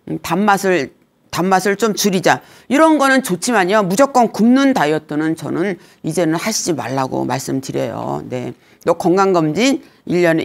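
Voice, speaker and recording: Gravelly-voiced woman lecturer, humorous. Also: lowish voice. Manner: humorous, lively storytelling with acted quotes. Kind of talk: senior lifestyle lecture.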